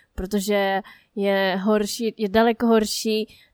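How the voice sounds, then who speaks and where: A woman talks at medium pitch in a monotone, flat intonation. The recording is very clean with a silent background, dry and close with no echo. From Czech Republic, Vietnamese immigrant family. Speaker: podcast co-host. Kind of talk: casual chat.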